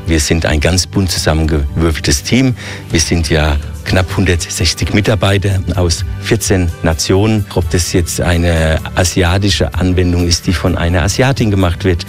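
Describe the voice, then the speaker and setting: A man with a low voice and a Hessian accent speaks in a radio interview. He explains things in a relaxed way and runs through long lists. Faint music plays behind him. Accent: Hessian German. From Hesse, Germany. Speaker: hotel director.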